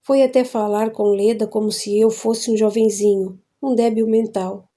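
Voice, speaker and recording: A woman's voice: fairly high pitch, fairly even intonation, moderate pace, warm tone, natural voice. A woman reading an audiobook, voicing an angry grown son who talks harshly and with irony. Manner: harsh and ironic.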